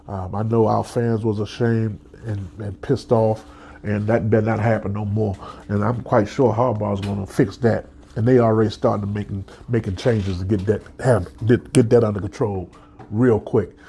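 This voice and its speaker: A man's voice: lowish voice, steady tone, normal speed, gravelly, mellow, a little hiss or hum. A man hosting a solo sports podcast, stuffed up from a cold, talking as a passionate fan with many restarts and "okay?" tags. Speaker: podcast host.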